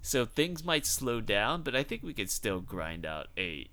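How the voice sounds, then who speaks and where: A man's voice: medium pitch, very animated, unhurried, bright, forceful tone. A man co-hosting a podcast, chatting casually, rambling and restarting his sentences, often breaking into laughter. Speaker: podcast co-host. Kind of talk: casual chat.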